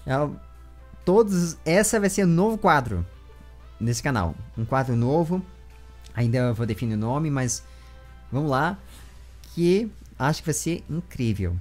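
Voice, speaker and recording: A man's voice: a little high, very animated, measured pace, pauses often, a little mellow, soft background music. A man in his twenties with a Brazilian accent, casually hosting an online interview and chatting to viewers. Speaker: interviewer and channel host. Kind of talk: casual video chat with viewers. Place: small room with bookshelves. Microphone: large studio microphone up close.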